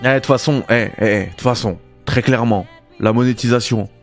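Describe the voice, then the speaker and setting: A man's voice: medium pitch, a little fast, faint music behind. A young man hosting a gaming video, ranting in a mock-outraged, ironic, familiar way. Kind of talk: sarcastic gaming rant.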